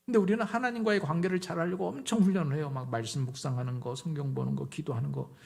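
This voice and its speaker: Middle-aged man, pastor, chatty sermon delivery, slightly high voice, voices both sides of a quarrel. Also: fairly even intonation, quick pace, vocal fry, a little mellow, breathy edge. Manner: conversational storytelling, acts out dialogue.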